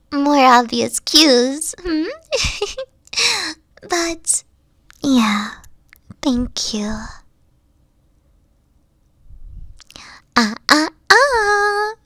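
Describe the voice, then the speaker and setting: A woman voicing a gentle, insecure young three-tailed kitsune girlfriend in an ASMR roleplay, speaking softly with frequent whispers and sighs. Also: fairly high pitch, no room sound, clean studio sound. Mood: tender, affectionate. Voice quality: soft, whispery, sighing. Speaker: team lead.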